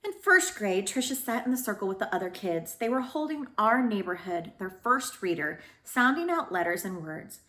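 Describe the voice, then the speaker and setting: A woman's voice: mid-range voice, animated, moderate pace, few pauses, pushed and bright. Woman reading aloud in an echoey room. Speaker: school librarian reading aloud to children. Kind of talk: storybook read-aloud with informal introduction.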